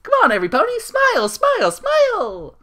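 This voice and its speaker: A man voicing a bubbly, cheery young female cartoon pony with a squeaky, gushing delivery. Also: wildly swooping pitch, a little fast, bright, forceful tone, exaggerated voice. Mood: gleeful.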